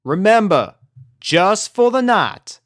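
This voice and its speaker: A man's voice: sits high, very animated, takes it slowly, a bit bright, dry recording, studio quality, pitched above the performer's own voice, exaggerated voice. A man voicing a friendly, folksy country mare who talks with a drawl.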